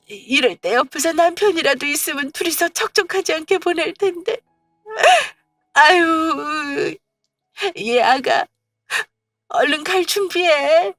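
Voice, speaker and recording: A woman's voice: extremely high pitch, animated, slow pace, long pauses, a bit bright, no room sound, recorded from a distance, soft background music, pitched above the performer's own voice, exaggerated voice. A woman voicing a self-pitying older mother-in-law who sighs and sobs in a fussy way. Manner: sighing, sobbing, fussy.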